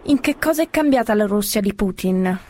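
A woman's voice: medium pitch, expressive, brisk, a little mellow. A woman interviewer putting questions in a conversational news interview.

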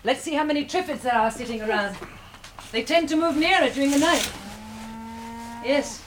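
A woman's voice: high voice, moderate pace, natural voice. A woman with a British accent acting a tender, practical young wife and survivor in a 1960s radio drama. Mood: practical, wary. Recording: noisy old 1960s radio recording.

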